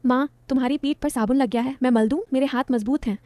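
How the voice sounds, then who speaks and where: Woman doing a young stepson, pleading, suggestive, mellow tone, dry close sound. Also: sits high, fast, no room sound, lightly acted. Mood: coaxing.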